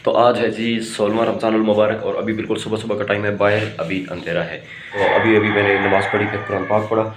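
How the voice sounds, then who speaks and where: Man, hoarse throat, low voice, rambling vlog chat, faint background hiss. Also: little pitch movement, fairly quick. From Pakistan. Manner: chatty, rambling, with many fillers and restarts. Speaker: vlogger. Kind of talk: casual vlog talk to camera.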